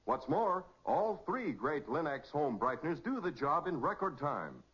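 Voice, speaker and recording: A man's voice: fairly high pitch, very animated, measured pace, a bit bright, husky. An American man announcing and narrating in scripted 1940s radio style, dramatic and emphatic. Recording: muffled 1940s radio recording.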